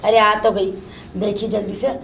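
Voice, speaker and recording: A woman's voice: little pitch movement, a little slow, gravelly, slight background noise. A woman playing a scolding old mother-in-law who curses and complains nonstop. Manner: shrill, cursing, complaining nonstop. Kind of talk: solo comedy sketch.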